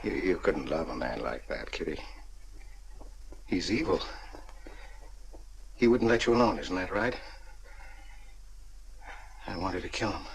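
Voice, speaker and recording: A meek middle-aged suitor. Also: male voice, sits low, measured pace, gravelly, pauses often, slight background noise, rough recording. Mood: pleading. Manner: gentle, pleading, soft-spoken. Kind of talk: 1940s film acting.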